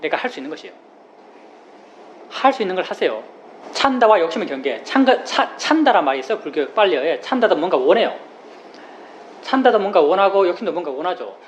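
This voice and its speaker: A Buddhist monk giving a plain-spoken dharma talk, who repeats key phrases and explains with everyday examples. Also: male voice, high-pitched, big pitch swings, fairly quick, pauses often. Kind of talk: dharma talk to a meditation group. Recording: slightly dull recording with faint room noise.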